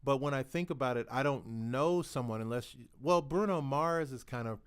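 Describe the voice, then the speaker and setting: A man's voice: medium pitch, normal speed, crowd noise. A man hosting a talk show, asking questions in a rambling, jokey way. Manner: jokey, rambling, wide-swinging intonation. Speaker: podcast host. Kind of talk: casual interview chat. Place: podcast studio.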